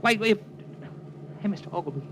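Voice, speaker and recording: An actor playing a slangy, excitable Hollywood talent agent in a 1940s radio drama, narrating and chasing. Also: male voice, high voice, fairly quick, a little hiss or hum. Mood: frantic. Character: brash fast-talking Hollywood agent. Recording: old radio drama with music.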